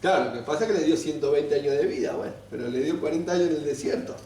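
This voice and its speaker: A man with a Rioplatense Spanish accent, preaching a sermon at a men's conference in a lively, joking storytelling way, acting out the voices of the people in his stories. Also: fairly high pitch, very fast. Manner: animated, jokey storytelling, acts out voices. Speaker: pastor. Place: large hall at a men's conference. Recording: echoey hall, voice from far off.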